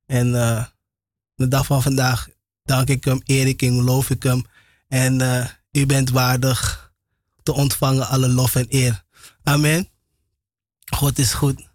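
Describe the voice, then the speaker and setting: A man on Christian radio giving a fervent, halting testimony full of restarts and laughter. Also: medium pitch, flat delivery, darkish tone, dry recording, studio quality. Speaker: radio host. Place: radio studio.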